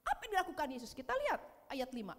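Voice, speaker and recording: A woman pastor preaching at a youth service, animated, swinging between loud emphatic lines and hushed ones and acting out voices in the stories she tells. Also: high voice, very fast. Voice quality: animated, acts out voices in quoted dialogue. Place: church hall. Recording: long reverb in a church hall.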